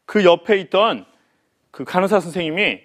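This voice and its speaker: A man giving a humorous life lecture to an audience, playful and animated, often acting out other people's voices. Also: sits high, normal speed.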